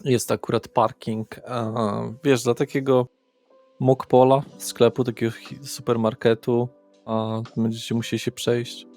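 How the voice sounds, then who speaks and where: A man's voice: mid-range voice, little pitch movement, a little slow, a little mellow, faint music behind. A man narrating a tabletop roleplaying game as its game master.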